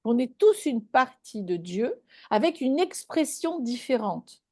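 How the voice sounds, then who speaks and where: A woman's voice: fairly high pitch, big pitch swings, a little slow, darkish tone, no echo, clean studio sound. A woman giving a live spiritual talk to a small online group, speaking conversationally and checking in with her listeners.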